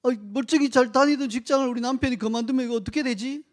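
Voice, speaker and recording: A man's voice: extremely high pitch, fairly even intonation, fast, pitched above the performer's own voice. A man voicing an anxious middle-aged wife who pleads with her husband in a fretful tone. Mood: pleading worried.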